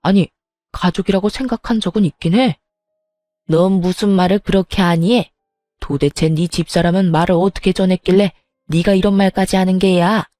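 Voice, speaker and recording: A woman's voice: lowish voice, moderate pace, dark tone, no echo, soft background music, lightly acted. A woman voicing a scornful, defensive older mother-in-law. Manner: scornful, self-justifying.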